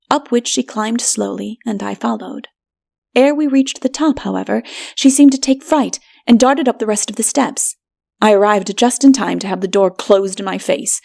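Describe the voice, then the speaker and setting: A woman's voice: medium pitch, vocal fry, darkish tone. A woman reading a story aloud as dramatic, scripted audiobook narration.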